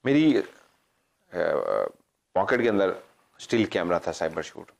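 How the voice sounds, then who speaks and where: A middle-aged man from Pakistan, hosting a paranormal show, tells a story casually and animatedly, voicing the quoted dialogue himself. He wanders off on tangents and stops to correct himself, speaking slowly in a deep voice with vocal fry.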